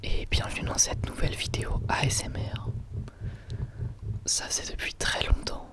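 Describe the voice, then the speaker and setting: Soft ASMR whisperer. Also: normal speed. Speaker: ASMR video host. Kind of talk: whispered ASMR product presentation.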